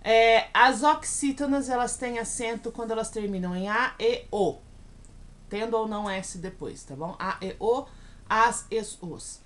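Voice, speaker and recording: A woman with a Brazilian Portuguese accent teaching in a recorded video lesson, slowly spelling out example words and often checking in with her students. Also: a little high. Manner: checks in with frequent "tá bom?".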